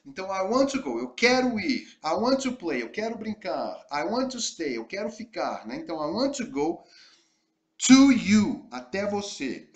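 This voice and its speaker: Slow, lively Brazilian man teaching English. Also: high voice, roomy sound. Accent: Brazilian Portuguese. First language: Portuguese. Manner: slow, deliberate reading of English sentences, then translating and explaining. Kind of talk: recorded language lesson.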